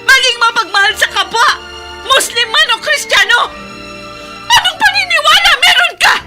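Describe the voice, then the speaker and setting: A woman's voice: very high-pitched, moderate pace, over music. An actress playing a young Muslim woman protesting with tearful passion in a radio drama. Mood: anguished.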